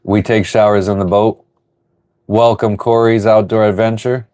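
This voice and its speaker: A man hosting a casual livestream from his sailboat, reading viewer comments aloud and rambling through relaxed answers. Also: fairly low pitch, moderate pace, smooth. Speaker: livestream host answering chat. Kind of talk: casual live chat. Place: on board a sailboat.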